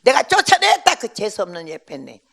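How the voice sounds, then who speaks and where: A woman's voice: medium pitch, wildly swooping pitch, a little fast, vocal fry, pitched above the performer's own voice, full character voice. An older woman voicing a senile, rude old woman, a pastor's mother, who barks and scolds. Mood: scornful. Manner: barking, scornful, shouting.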